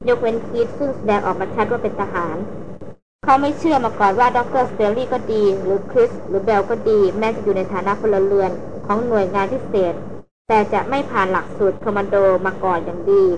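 A woman reading an adventure novel aloud in a steady, measured storytelling manner. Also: mid-range voice. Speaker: audiobook narrator. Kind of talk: scripted narration of an adventure novel. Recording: noisy recording with vehicle hum.

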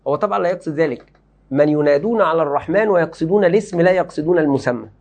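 A man's voice: fairly high pitch, racing, a little mellow. A man giving a religious lesson, explaining a book to students emphatically, repeating key phrases and checking they follow. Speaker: Islamic teacher.

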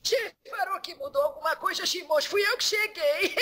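A woman medium voicing the male spirit Exu, who talks slowly with a folksy drawl and laughs between phrases. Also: very high-pitched, sharp tone. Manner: drawling, folksy speech, calls listener "filho". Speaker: medium channeling an entity.

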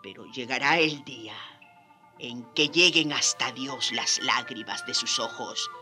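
An actress playing a dignified, grieving old indigenous woman in a radio drama, speaking solemnly and forcefully. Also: very deep voice, unhurried, soft background music, full character voice. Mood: solemn lament. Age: older. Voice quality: hoarse when reading forcefully.

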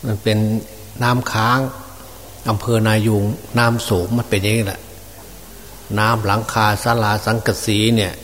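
Unhurried monk in an echoing hall. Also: male voice, lowish voice, flat delivery, fairly bright tone. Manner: folksy, unhurried, with many fillers. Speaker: monk preaching. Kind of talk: Dhamma sermon. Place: open temple hall. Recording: distant reverberant hall with faint noise.

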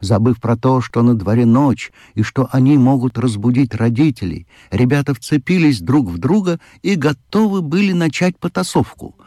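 A man narrating a children's fairy-tale audiobook in an expressive storytelling manner. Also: medium pitch, no room sound.

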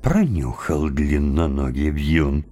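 A sly young seminary student in a radio play, drawls slowly, voice swoops way up and down, kind of sarcastic. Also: male voice, very deep voice, sing-song, dark tone, full character voice. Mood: grumbling. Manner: slow, musing, wryly sarcastic.

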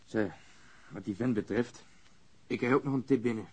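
An actor playing a sceptical, grumbling, unimpressed police detective in a radio crime drama. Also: male voice, medium pitch, moderate pace, noisy background, lightly acted. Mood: reporting.

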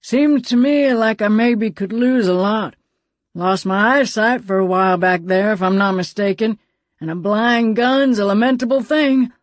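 A woman's voice: mid-range voice, measured pace, dry recording, pitched above the performer's own voice, close to an everyday voice. A woman voicing a folksy male six-gun with a drawling Western way of talking. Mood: wry.

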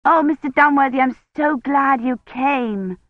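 A woman's voice: high-pitched, measured pace, no echo, voice pushed up. Eager young woman historian read by a woman, earnest, reassuring, dry close recording, slightly dull sound.

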